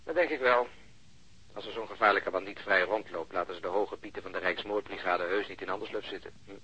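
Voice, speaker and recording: A man playing a blunt, cynical policeman in a radio drama, talkative and sardonic, with a rough voice over a phone line. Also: sits low, quick pace, sharp tone, exaggerated voice. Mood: matter-of-fact. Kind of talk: Dutch radio drama acting. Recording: muffled band-limited phone line.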